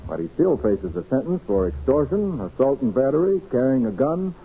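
A man acting a confident, shrewd private detective in a 1940s radio drama, brisk and authoritative as he takes charge and explains. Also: mid-range voice, very animated, breathy edge. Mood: explaining, assured. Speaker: actor in a radio crime drama. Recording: muffled, noisy 1940s radio recording.

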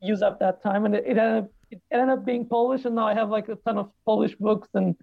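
A man's voice: sits high, fairly even intonation, quick pace, vocal fry, dry recording, narrow, tinny audio. A man in his late twenties from Portugal, a native speaker of European Portuguese, chatting casually in a rambling way with many fillers. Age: late 20s. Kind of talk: casual chat.

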